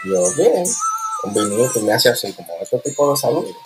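A man, telling a story in casual podcast chat and acting out quotes in a high voice. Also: a little fast, over loud music, low-quality recording. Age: 20s. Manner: animated, acts out quotes in a high voice.

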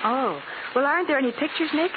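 An actress playing a curious, impressionable detective's assistant in 1940s radio style, inquisitive and American-accented. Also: female voice, sits high, lively intonation, quick pace. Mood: curious, amazed. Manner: inquisitive, wide-eyed. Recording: hissy, narrow 1940s radio recording.

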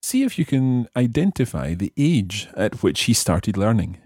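A man's voice: fairly low pitch, very animated, unhurried, darkish tone, breathy edge, no room sound, clean studio sound. A man hosting a language lesson, explaining and repeating phrases for learners in scripted teaching narration.

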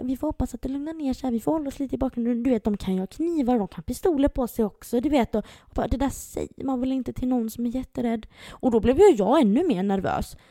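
Young woman telling a story, dark-toned voice. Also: medium pitch, no echo, clean studio sound. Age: young adult. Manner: animated retelling, acts out quoted voices. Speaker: podcast co-host. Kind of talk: casual storytelling chat.

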